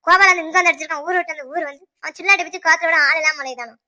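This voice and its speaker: A shrill scolding village mother-in-law. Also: heavily acted. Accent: Tirunelveli Tamil. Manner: sharp, scolding, rapid-fire. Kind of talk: cartoon voice acting.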